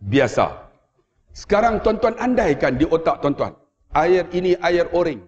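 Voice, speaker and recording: A man preaching a storytelling sermon to a live audience in a Malaysian Malay accent, animated, acting out whispered prayers and cries. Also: sits high, moderate pace, long reverb tail, muffled recording. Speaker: religious preacher.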